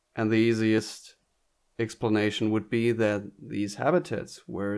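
A man speaks in a German accent at a fairly low pitch with fairly even intonation. The recording is very clean, with a silent background. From North Rhine-Westphalia, Germany. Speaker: podcast host, earth sciences student. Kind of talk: casual chat.

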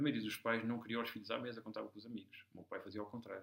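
This man talks at a very fast pace in a European Portuguese accent. His pitch is medium. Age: 50s. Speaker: farmer and blogger. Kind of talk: interview.

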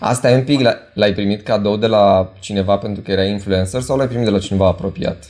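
With a plain, everyday voice, a man speaks fairly low and fairly quickly, with ordinary pitch variation. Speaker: podcast host. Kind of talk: casual chat. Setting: video call.

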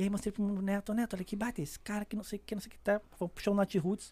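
Speaking at a very fast pace, a man talks in a high pitch. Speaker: musician in reggae band. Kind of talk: casual interview chat.

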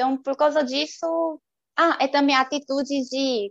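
A woman with a Korean accent, dry and close with no echo, against a quiet background. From South Korea. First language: Korean (speaking Portuguese). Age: 30s. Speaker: Korean language teacher and youtuber. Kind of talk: interview conversation. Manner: halting.

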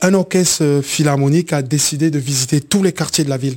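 His voice sits fairly high. The pitch moves in an ordinary way. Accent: slight southern French. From Cameroon. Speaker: rapper and pastor. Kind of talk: casual chat.

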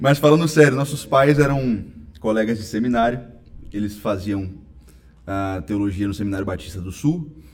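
Pausing long and often, a man speaks at a moderate pace with lively intonation and big swings in loudness, with audible room echo. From Rio de Janeiro, Brazil. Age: 30s. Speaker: pastor. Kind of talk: casual chat.

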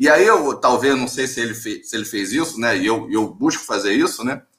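Bright and sharp in tone, a man's fairly high voice moves with lively intonation. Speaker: actuarial professor. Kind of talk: live webinar presentation. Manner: halting, many repetitions.

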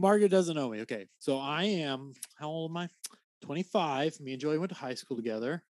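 A man with a normal speaking voice uses lively intonation at a fairly high pitch, recorded dry and close with no echo. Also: fairly quick pace. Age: 20s. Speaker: podcast host, truck driver. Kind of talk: casual chat.

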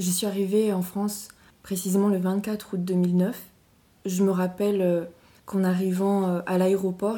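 Very slowly, a woman speaks at a medium pitch in a dark, mellow tone with monotone, flat intonation. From Madagascar, Diego Suarez. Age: 20s. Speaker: immigrant. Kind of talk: testimony.

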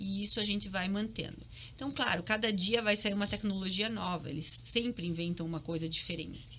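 A woman speaks at medium pitch with ordinary pitch variation. She has an unremarkable speaking voice. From Santa Catarina, Brazil (Timbó). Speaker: physician, aesthetic clinic director. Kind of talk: casual interview.

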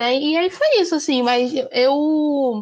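This woman speaks with lively intonation. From Brazil, Rio de Janeiro. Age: 20s. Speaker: YouTuber and podcaster. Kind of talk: casual chat.

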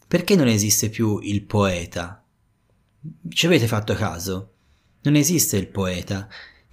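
A somewhat breathy man speaks at a fairly slow pace and fairly low pitch, with lively intonation and long, frequent pauses. The recording is very clean, with a silent background. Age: 30s. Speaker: podcast host and poet. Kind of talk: reflective monologue.

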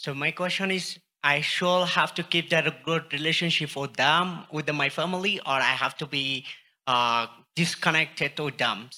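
In a very clean recording with a silent background, a man's fairly high voice has a bright, sharp tone. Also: ordinary pitch variation, moderate pace. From Bangladesh. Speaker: congregation member. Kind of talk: question at Bible study. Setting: church with congregation. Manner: halting.

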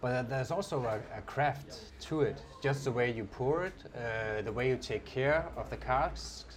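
A man with a Danish accent speaks at a fairly slow pace and a medium pitch, with lively intonation, hardly any pauses, and noticeable background noise. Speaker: podcast host, beer blogger. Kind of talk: interview. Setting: in a bar.

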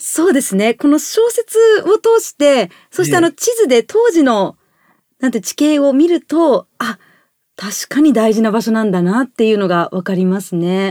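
A high-pitched woman with a dark, mellow tone, very wide pitch swings and a moderate pace, in a dry, close sound with no echo. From Japan, Aichi (Okazaki). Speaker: weather presenter and castle enthusiast. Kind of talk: casual chat. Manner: animated.

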